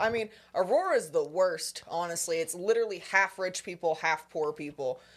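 On a very clean recording with a silent background, a woman talks at a moderate pace and medium pitch. It is an ordinary speaking voice. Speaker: podcast host. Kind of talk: casual chat.

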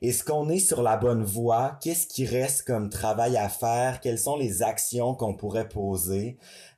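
A man of medium pitch talks at a moderate pace with hardly any pauses, his voice somewhat breathy and dark, mellow in tone, with very even loudness and ordinary pitch variation. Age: 20s. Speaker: actor. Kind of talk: interview.

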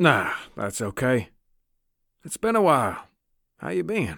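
A man puts on a raspy character voice at a medium pitch with very wide pitch swings, speaking at a moderate pace on a very clean recording with a silent background. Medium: read story.

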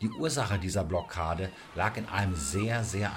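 There is noticeable background noise behind a man speaking at a fairly low pitch. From Paphos, Cyprus (currently based). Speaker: spiritual podcast host and soul coach. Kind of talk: fairy tale narration, scripted storytelling read aloud. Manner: calm, measured storyteller pace with a soothing, dreamy, mystical tone.

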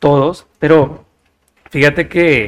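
A man with a strong Texas border accent speaks at a fairly high pitch with ordinary pitch variation. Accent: Texas border Spanish, marked Laredo. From Laredo, Texas border. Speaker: podcast host. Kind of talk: casual chat, bilingual Spanish-English. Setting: studio. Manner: casual, slangy, fillers.

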